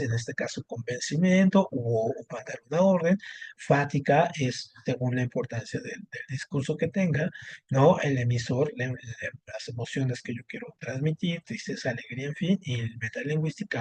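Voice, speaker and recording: A man's voice: on the high side, darkish tone, no echo. A man gives an online language lesson. He explains step by step and keeps checking in with "¿no?" and "este". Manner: explanatory, frequent "¿no?" and "este" fillers. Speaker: Spanish language teacher. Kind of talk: online class lecture.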